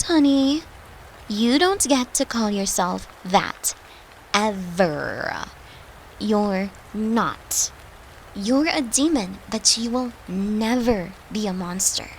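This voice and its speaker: A woman playing a gentle, devoted girlfriend who soothes her lover in an intimate comfort roleplay, speaking tenderly and reassuringly in a soft, hushed voice. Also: medium pitch, animated, slow, a little hiss or hum, rough recording. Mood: earnest, firm.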